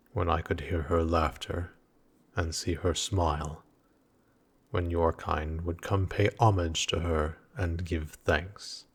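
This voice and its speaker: A man's voice: very deep voice, exaggerated voice. A man voicing a grim, weary earthen knight guarding a goddess, speaking formally and archaically in a dramatic audio roleplay. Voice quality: gravelly, husky. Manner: archaic, formal, menacing, slow.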